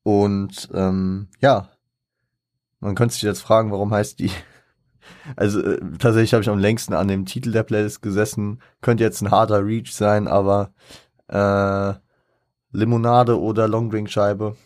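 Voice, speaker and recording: A man's voice: lowish voice, little pitch movement, unhurried, a little mellow, dry recording, clean studio sound. A man hosting a casual solo podcast, rambling and thinking aloud with many fillers and self-corrections. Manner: thinks aloud and counts things off. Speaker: podcast host.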